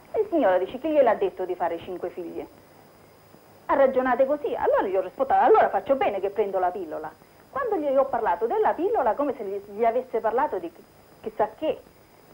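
Her voice high and swinging very widely in pitch, a woman talks at a very fast pace broken by long, frequent pauses. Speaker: working-class mother interviewee. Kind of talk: street interview, personal testimony. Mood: aggrieved, indignant. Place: home room. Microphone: old recording.

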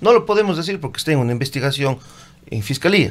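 Here a man speaks in a fairly high pitch. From Cuenca, Ecuador; Ecuador. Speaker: politician, legislator; politician. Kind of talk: radio interview. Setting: studio. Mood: serious, explanatory. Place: studio. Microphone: studio mic.

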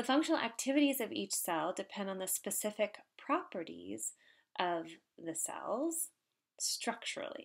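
A woman speaks with very wide pitch swings and vocal fry. The background is quiet. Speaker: biology instructor. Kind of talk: lecture. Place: home room. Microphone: webcam.

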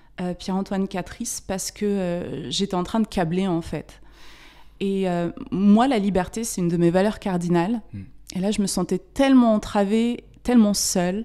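A woman speaks at a medium pitch and a moderate pace. Her tone is dark and mellow, with ordinary pitch variation. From France, Saint-Étienne. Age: 40s. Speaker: podcaster and author, former journalist. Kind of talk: casual chat.

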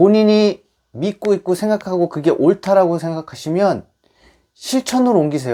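In a very clean recording with a silent background, the talking proceeds at a moderate pace. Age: 30s. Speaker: YouTuber and metalworker sharing personal story. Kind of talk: personal testimony monologue. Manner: unscripted, somewhat halting.

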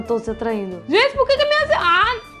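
Faint music sits behind a woman speaking in an upbeat tone with a São Paulo accent. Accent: Brazilian Portuguese, São Paulo. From São Paulo, Brazil. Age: 20s. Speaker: YouTuber. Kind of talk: casual talk to camera. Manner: upbeat, chatty. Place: kitchen.

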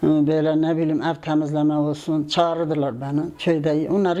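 Her pitch very deep and low, a woman talks at a moderate speed. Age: 70s. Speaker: grandmother interviewee. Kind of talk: oral history interview answer. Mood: calm reminiscing. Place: home room. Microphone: lapel.

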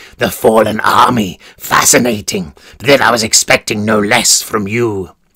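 Putting on a raspy character voice, a man speaks at a moderate pace. His pitch is medium and his intonation fairly even. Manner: gleeful, sickly sweet.

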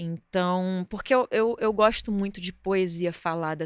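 A woman at a fairly slow pace, medium pitch and ordinary pitch variation, in a dry sound with no echo and a quiet background. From Brazil, Niterói (Rio de Janeiro state); Rio de Janeiro state, Brazil. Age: 30s. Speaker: singer and actress; actress. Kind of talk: casual interview chat. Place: studio. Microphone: studio mic.

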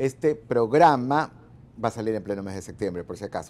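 A man's dark, mellow tone. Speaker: TV show host. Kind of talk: TV host announcement to camera. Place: studio. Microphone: lapel.

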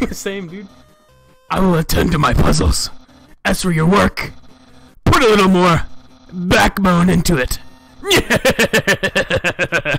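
Shouting loudly in a high-pitched, put-on character voice, a man speaks at a very slow pace with long, frequent pauses over faint background music. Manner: loud, shouty, all caps.

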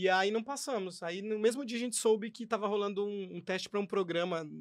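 This man's high pitch carries ordinary pitch variation as he talks at a fairly quick pace. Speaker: actor and singer. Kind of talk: casual chat.

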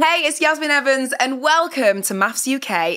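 A woman's bright, sharp voice with very wide pitch swings, at a fairly slow pace over a quiet background. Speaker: podcast host. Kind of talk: podcast intro recap. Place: studio. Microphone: studio mic.

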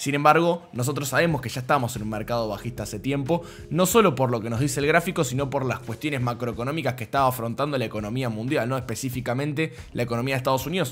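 A man speaks at a very fast pace with ordinary pitch variation while faint music plays in the background. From Argentina. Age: 20s. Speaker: trading and investing youtuber; investing youtuber. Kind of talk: market analysis tutorial. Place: home room.

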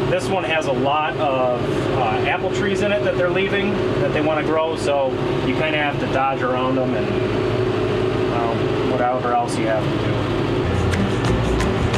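Against loud background noise, a man speaks at a fairly slow pace, with long, frequent pauses. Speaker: tractor operator vlogger. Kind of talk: casual vlog chat. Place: farm machine. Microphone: camera far.

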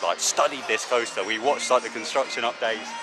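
Clear music plays behind a man who speaks at a very fast pace. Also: dry sound with no echo. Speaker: vlogger. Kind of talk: casual vlog chat. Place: street. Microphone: phone near.

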